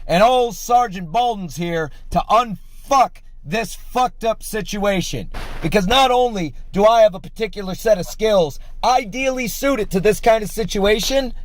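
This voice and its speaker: A man hosting a heated call, berating the other side with profane, slow, emphatic lines. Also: high voice, rough recording. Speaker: host.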